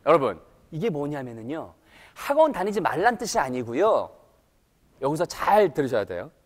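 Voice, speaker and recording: A man's voice: fairly high pitch, huge pitch swings, moderate pace. A man giving a playful English lesson to a live audience, coaxing them to repeat after him. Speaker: English lecturer. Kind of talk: lively public lecture to an audience. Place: lecture hall. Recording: reverberant hall.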